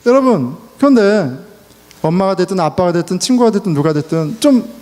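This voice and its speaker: A man's voice: sits high, animated, a little fast, darkish tone. A man preaching a sermon as a pastor, telling stories with self-mocking humor and acting out what people said. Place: church sanctuary. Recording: church hall reverb.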